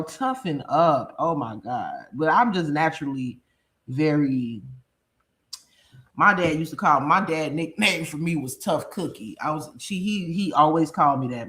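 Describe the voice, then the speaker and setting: Thirties woman from Chicago, streamer type, blunt and profane, quick to laugh, very animated. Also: sits low. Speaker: livestream host reading chat. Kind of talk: casual livestream chat.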